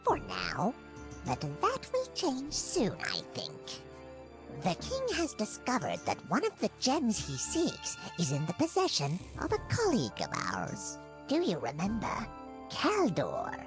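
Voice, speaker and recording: A woman voicing a dutiful nun who serves a villain in a fan-made adventure game, speaking in a deferential, measured way. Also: mid-range voice, wildly swooping pitch, music in the background.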